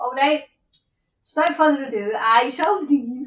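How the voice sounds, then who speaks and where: A woman in a Scottish accent, high-pitched, at a fairly slow pace with ordinary pitch variation. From Scotland. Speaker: tarot reader. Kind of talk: casual talk to camera before a tarot reading.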